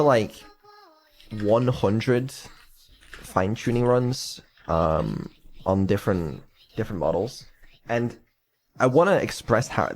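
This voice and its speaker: A man's voice: on the low side, a little mellow. A man giving a casual live stream update as a developer, rambling and hesitant with many ums and offhand swearing.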